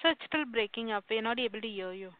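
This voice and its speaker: A woman's voice: fairly high pitch, lively intonation, fast talker, dry recording. A woman moderating a conference call, making polite, clipped formal announcements over a phone line. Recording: dry, tinny phone line.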